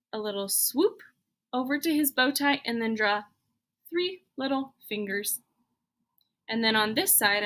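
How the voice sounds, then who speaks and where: A woman with a fairly high, sharp-toned voice, working as an elementary school teacher. She walks children through a drawing lesson one step at a time, giving simple, encouraging instructions and thinking aloud along the way.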